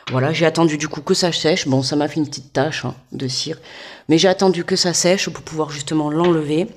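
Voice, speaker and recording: A woman's voice: low-pitched, steady tone, brisk. Chatty woman giving a card reading. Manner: chatty, keeps checking in with "d'accord?" and "tu vois"; informal, speaks directly to the listener. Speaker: tarot guidance reader. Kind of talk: casual card reading to the viewer. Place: home desk.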